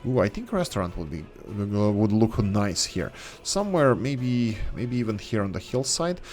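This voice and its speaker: A man's voice: fairly low pitch, big pitch swings, moderate pace, a little mellow. A man hosting a gaming video, talking casually and thinking aloud as he builds, with rambling asides and corrections. English is not his first language. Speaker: gaming channel host. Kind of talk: casual let's-play commentary.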